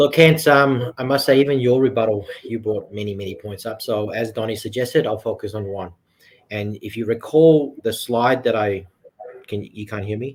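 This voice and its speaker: Speaking in an Australian accent at a moderate pace, a man with medium pitch and ordinary pitch variation sounds somewhat breathy, with big swings in loudness. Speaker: debater. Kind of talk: debate.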